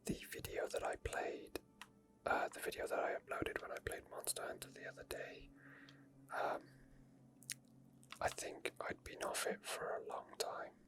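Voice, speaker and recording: A gaming streamer speaks entirely in a soft, breathy whisper. The delivery is ASMR gameplay commentary, walking the listener through each action as it is done. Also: normal speed, long pauses. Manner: explains each step as it is done. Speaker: video game streamer.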